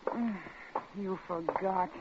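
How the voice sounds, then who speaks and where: An actress playing a bitter, nagging wife in an old radio drama, sarcastic and scolding, always discontented about money. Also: female voice, medium pitch, takes it slowly, dull audio, slight background noise, close to an everyday voice. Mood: angry, scornful. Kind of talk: 1940s-50s radio drama acting.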